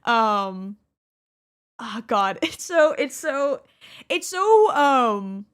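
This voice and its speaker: A woman in her twenties giving casual commentary on her old gameplay footage, chatty, with frequent restarts and quick laughs. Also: a little high, big pitch swings, a bit bright, clear, resonant tone. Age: 20s. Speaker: YouTuber.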